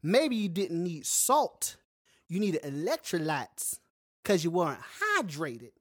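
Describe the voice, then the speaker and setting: A man's voice: fairly high pitch, very animated, takes it slowly, no echo, studio quality. A man co-hosting a podcast, chatting casually and joking with playful exaggeration. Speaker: podcast co-host.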